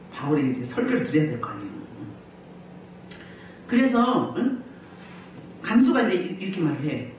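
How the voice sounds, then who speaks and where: A woman pastor preaching a healing service sermon, animated, often putting questions to the congregation and laughing as she goes. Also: mid-range voice, a little hiss or hum. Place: church hall. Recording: very echoey hall, mic at a distance.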